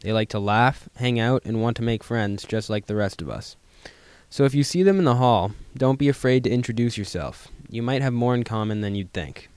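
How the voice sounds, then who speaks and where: A teenage boy narrating a scripted school news segment in an even read-out manner. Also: medium pitch, fairly quick, clear, resonant tone, no room sound. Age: teens. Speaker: student news reporter.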